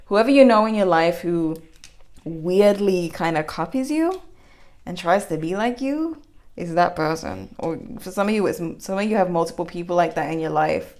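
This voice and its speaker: Low-voiced woman doing a rambling tarot reading. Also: lively intonation, normal speed, a little mellow. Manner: rambling, many fillers and restarts. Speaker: tarot reader. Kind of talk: general tarot reading, casual monologue.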